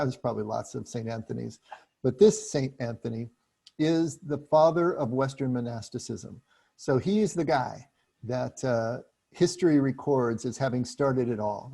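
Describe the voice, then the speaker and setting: A man leading a group book study, explaining passages in a relaxed, chatty way with frequent restarts. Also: mid-range voice, gravelly, breathy edge.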